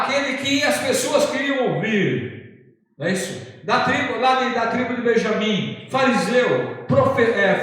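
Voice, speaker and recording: A man's voice: high voice, a bit bright. A man from Brazil, a pastor, preaching a sermon, often asking the congregation rhetorical questions, his voice rising and falling. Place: church sanctuary. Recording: echoey church hall from far off.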